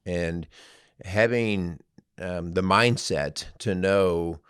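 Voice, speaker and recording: A middle-aged man co-hosting a podcast, telling stories in a relaxed, easygoing way with plenty of fillers. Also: sits low, very slow, clean tone, no echo, clean studio sound. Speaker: podcast co-host. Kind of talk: casual chat.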